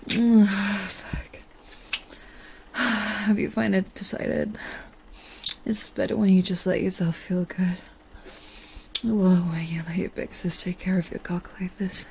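Slow, gravelly-voiced woman whispering softly. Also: fairly low pitch, flat delivery, a little hiss or hum. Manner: soft, seductive, teasing whisper. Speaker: audio roleplay performer. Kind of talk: intimate whispered audio roleplay.

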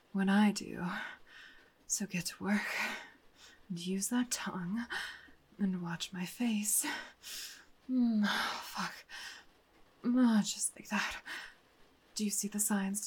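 Woman doing a husky whispery dominant seductress, slow and teasing, lots of breathy moans. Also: mid-range voice. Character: sultry dominant mysterious woman, teasing and commanding. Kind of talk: erotic audio roleplay.

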